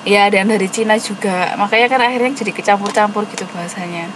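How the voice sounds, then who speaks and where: During an online English class, a patient woman teacher with a Javanese accent explains things in a quick, mid-range voice. She mixes English terms in and laughs lightly, in a noisy room where air conditioning can be heard.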